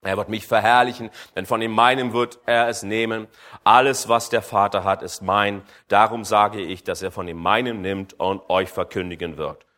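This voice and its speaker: A man's voice: lowish voice, fairly even intonation, moderate pace, sharp tone. A man preaching a sermon, addressing the congregation directly and calling for amens.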